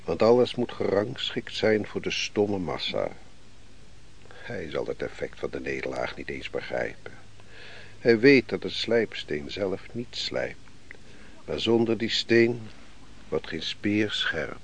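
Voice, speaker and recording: Deep, gravelly, brooding fallen nobleman. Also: very animated, heavily acted. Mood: bitter, grand. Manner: solemn, declamatory, deliberate. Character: brooding, defeated nobleman of a fallen ancient kingdom. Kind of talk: theatrical Dutch radio play acting. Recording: noisy old radio play recording.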